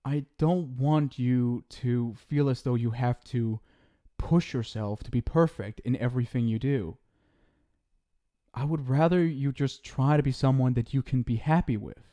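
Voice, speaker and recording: A man's voice: medium pitch, measured pace, mellow, natural voice. A man playing an affectionate, centuries-old ghost soulmate in an intimate ASMR roleplay, speaking casually and hesitantly. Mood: tender, reassuring. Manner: casual, hesitant, tender, reassuring.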